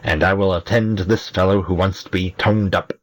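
A man voicing a tiny, lively male imp who teases and mocks, with a husky voice. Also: deep voice, fairly quick. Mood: mocking. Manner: teasing, mocking.

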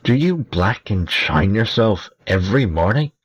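A man voicing a lazy, languid young man who speaks slowly and listlessly, with a husky voice. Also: lowish voice, big pitch swings, exaggerated voice. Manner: slow, listless.

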